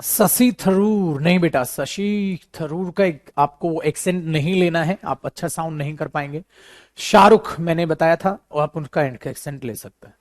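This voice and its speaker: A man's voice: on the high side, moderate pace, no echo, studio quality. A man teaching a live spoken English class, chatty and repetitive, calling his students "beta". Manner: addresses students as beta, repeats himself, chatty and animated.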